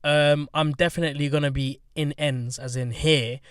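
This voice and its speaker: A young man hosts a podcast, chatting in an easygoing way with plenty of slang. His voice is a little higher than most men's, and it sounds dry and close to the mic. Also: steady tone, moderate pace, clear, resonant tone, no echo. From North London. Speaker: podcast host. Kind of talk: casual banter.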